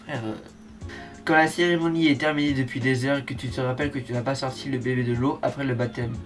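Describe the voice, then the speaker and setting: A man's voice: mid-range voice, steady tone, quick pace, soft background music. A man hosting a reaction video with casual, slangy, informal commentary.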